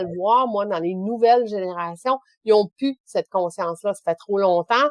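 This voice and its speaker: At a moderate pace, the speaker talks with a Quebec accent and ordinary pitch variation. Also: woman, medium pitch for a woman. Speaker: podcast host. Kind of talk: podcast interview.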